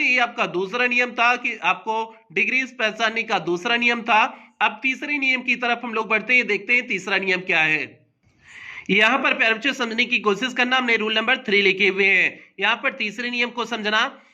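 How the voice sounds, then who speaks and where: High, bright-voiced male grammar teacher. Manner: coaxing, asks and answers his own questions; drawn-out slow dictation of example sentences. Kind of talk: classroom grammar lesson.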